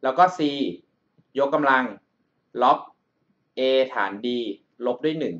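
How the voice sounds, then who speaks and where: A man's voice: mid-range voice, lively intonation, slow pace, fairly bright tone, highs cut off. A male math tutor talking through an exam problem over a screencast, often checking in with the listener. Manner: calls himself by a big-brother nickname, checks in with the student often. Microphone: voice-over on a screen recording.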